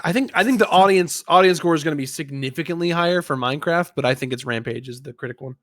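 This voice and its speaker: A man's voice: on the high side, fast talker, a bit bright, no room sound, clean studio sound. A man co-hosting a podcast, chatting casually as he weighs answers in a movie quiz. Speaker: podcast co-host and quiz contestant.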